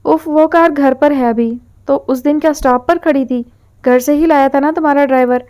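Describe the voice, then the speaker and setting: A woman's voice: high-pitched, fairly even intonation, a little mellow, natural voice. A woman voicing a stubborn young university woman who pouts and argues, in a novel reading. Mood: sulky. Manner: pouting and argumentative.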